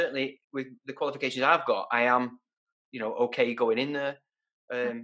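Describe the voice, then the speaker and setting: In a Lancashire accent, a man talks at a very fast pace with a bright, sharp tone. His voice sits fairly high and shows ordinary pitch variation. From Wigan, northern England. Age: 40s. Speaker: podcast host and scuba diver. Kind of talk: casual chat.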